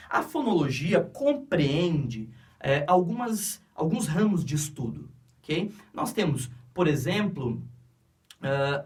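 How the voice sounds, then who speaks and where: A man teaching English to Brazilian students in a classroom, explaining slowly and often checking in with "ok?". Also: fairly high pitch, recorded from a distance. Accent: Brazilian Portuguese. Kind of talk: classroom lecture.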